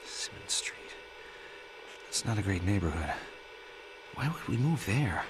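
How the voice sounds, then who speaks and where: A man's voice: on the low side, big pitch swings, measured pace. A man voice-acting a confused, worried father in a video game cutscene, in a naturalistic style. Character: confused, worried father searching for his daughter. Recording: game cutscene audio, faint noise.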